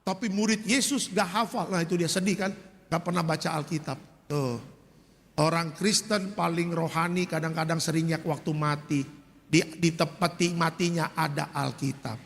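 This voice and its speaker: A male pastor preaching a lively, humorous sermon to a congregation, acting out voices as he tells stories. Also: on the high side, moderate pace, gravelly, long reverb tail.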